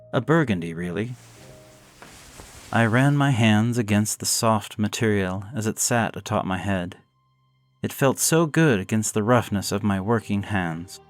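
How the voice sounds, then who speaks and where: A man with a fairly low voice reads a gothic horror story in measured, deliberate narration. Faint music plays underneath him.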